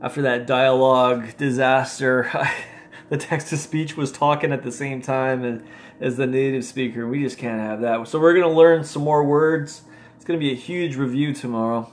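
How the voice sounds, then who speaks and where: A man's voice: mid-range voice, a little hiss or hum. A man casually studying flashcards aloud, repeating words and laughing at his own mistakes. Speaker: language learner vlogger.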